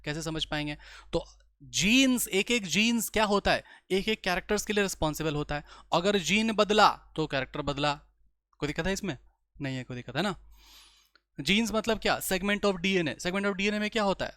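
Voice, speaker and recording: A young man teaching biology in a lecture, often pausing to check the class follows. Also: high-pitched, animated, sharp tone, no room sound, clean studio sound. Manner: slow explaining, many rhetorical checks. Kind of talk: online exam-prep lecture.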